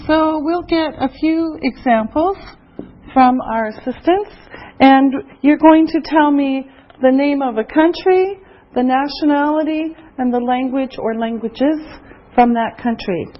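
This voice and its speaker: Slow, high-voiced woman teacher. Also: lo-fi sound. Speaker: English teacher. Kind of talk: slow classroom instruction.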